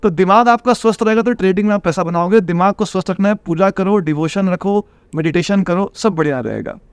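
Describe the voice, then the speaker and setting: High, smooth-voiced earnest man from Bihar. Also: brisk, dry recording. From Bihar, India. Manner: earnest, advice-giving, calls the host brother. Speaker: trader and IIT coaching teacher, podcast guest. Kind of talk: casual interview talk.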